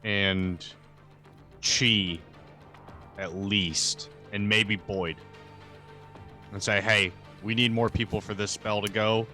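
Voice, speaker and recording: A man's voice: on the low side, little pitch movement, takes it slowly, pauses often, bright, forceful tone, faint music behind. A man playing a tabletop game, casually improvising and describing what his character does.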